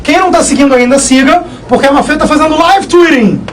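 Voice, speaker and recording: A man teaching a live exam-prep physics lesson, energetic, joking and repeating himself. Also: extremely high pitch, fast, a little hiss or hum, rough recording.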